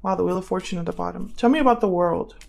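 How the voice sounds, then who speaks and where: Creaky-voiced woman reading tarot. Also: on the low side, racing, darkish tone. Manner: conversational, thinks aloud, addresses listener directly. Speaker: tarot reader, channel host. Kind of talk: casual tarot reading to viewers.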